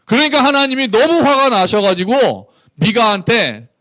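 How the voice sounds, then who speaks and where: A male pastor preaching a sermon at a church service, in a lively, conversational manner, often asking the congregation questions. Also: extremely high pitch, moderate pace.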